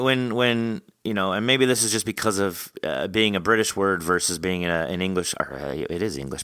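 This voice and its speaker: A man hosting a casual podcast interview, chatty and animated as he talks. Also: sits low, no echo, studio quality. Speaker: podcast host interviewing an author.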